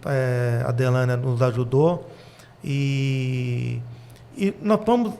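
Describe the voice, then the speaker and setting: A middle-aged man, a father and business owner, telling stories about his family company in a relaxed, casual interview. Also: medium pitch, slow pace, creaky. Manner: relaxed storytelling, laughs while telling anecdotes.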